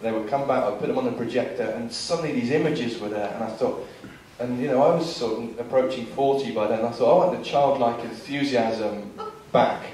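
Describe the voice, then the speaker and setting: A man in his forties speaking as a filmmaker at a seminar, picked up from across a very echoey hall with faint background noise. He tells stories in a lively way and slips into other people's lines as he goes. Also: medium pitch, fairly quick, hardly any pauses, recorded from a distance. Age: 40s. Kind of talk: anecdotal seminar talk.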